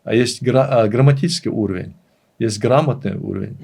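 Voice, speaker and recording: Earnest man with a mid-pitched voice, explaining. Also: brisk, gravelly, darkish tone, slightly rough. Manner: earnest, emphatic repetition of phrases. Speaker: interview guest, language teacher and author. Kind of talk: conversational interview, explaining and reminiscing.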